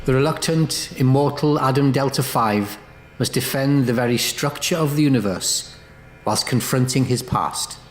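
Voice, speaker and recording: A man's voice: medium pitch, moderate pace. Casting: male dramatic trailer announcer, echoing, light music bed. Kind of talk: dramatic scripted trailer narration.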